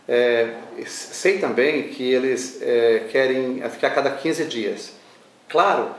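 An older man with a Brazilian accent, speaking as an association spokesman in an interview, halting between phrases and adding tag questions. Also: medium pitch. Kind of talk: sit-down news interview. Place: small indoor newsroom office. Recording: roomy, distant mic, faint noise.

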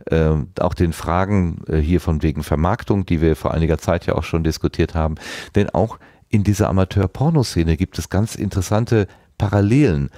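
A man hosting a podcast, talking off the cuff with deliberate, searching phrasing. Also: deep voice, dark tone, no room sound, studio quality. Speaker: podcast host. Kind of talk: unscripted podcast talk.

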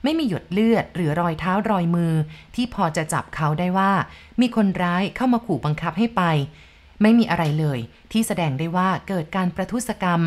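A woman narrating a ghost story in a steady, measured reading voice. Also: lowish voice.

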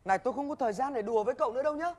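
A man's voice: very high voice, very fast, darkish tone. An actor playing a short-tempered male doctor in a stage comedy sketch, blunt and scolding. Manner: blunt, scolding, barking orders. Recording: stage sound with audience laughter. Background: live audience laughing.

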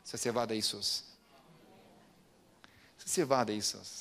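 A man with a Romanian accent preaching a sermon in a church, swinging from quiet asides to loud, emphatic appeals. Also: fairly low pitch, steady tone, creaky.

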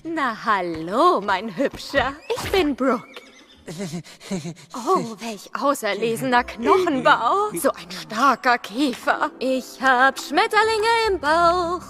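An actress playing a dreamy, flirty female creature in an audio drama, with a breathy, swooning manner. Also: high-pitched, big pitch swings, slow, sharp tone, soft background music, exaggerated voice. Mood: flirty, gushing.

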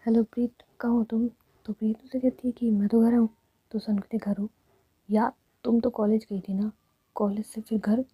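A young woman telling a love story as whispered role-play, narrating and voicing each character herself in soft whispers. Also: fairly high pitch, flat delivery, normal speed, breathy edge, no room sound, dull audio.

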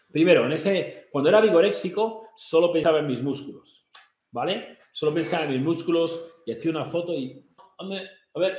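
Brash motivational influencer, somewhat high-pitched, swears constantly and lectures the viewer, recorded in a roomy, echoey office. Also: male voice, darkish tone, slight background noise. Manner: brash, profane and confrontational, gesturing broadly. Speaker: fitness and business influencer. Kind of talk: motivational rant to camera. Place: small home office, indoors. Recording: echoey room.

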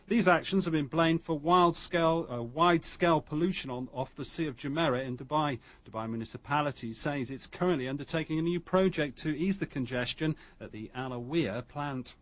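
Guy reading news and sport like on radio, voice a bit on the high side, super dry recording. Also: no room sound. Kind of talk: scripted radio-style news bulletin reading.

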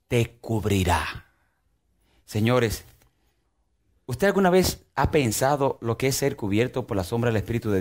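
A man preaching a sermon as pastor, swinging from loud outbursts to soft drawn-out words. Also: a little high. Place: church.

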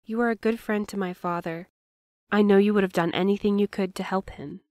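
A woman playing a thoughtful, dreamy young courier who speaks softly and muses philosophically. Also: mid-range voice, fairly even intonation, fairly quick, no room sound, clean studio sound, lightly acted. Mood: musing. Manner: soft, musing, philosophical.

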